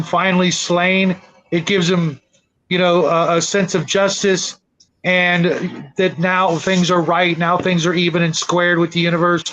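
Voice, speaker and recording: A man talking casually on a discussion panel, halting and repeating words as he builds his point. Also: sits high, fairly bright tone, highs cut off. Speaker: tabletop gaming discussion panelist.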